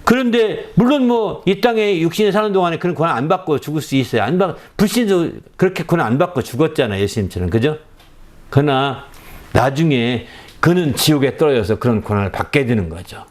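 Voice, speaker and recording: A middle-aged male pastor giving a conversational sermon, often checking in with the congregation with a quick "eh?". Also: fairly high pitch, animated.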